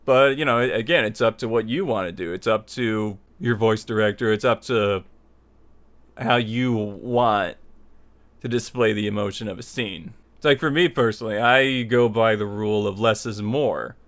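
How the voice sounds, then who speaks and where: A man's voice: lowish voice, normal speed, a bit bright. A man hosting a tutorial, explaining his opinions in a conversational, rambling way and repeating himself for emphasis. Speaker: tutorial series host. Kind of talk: informal spoken lesson, opinionated explanation.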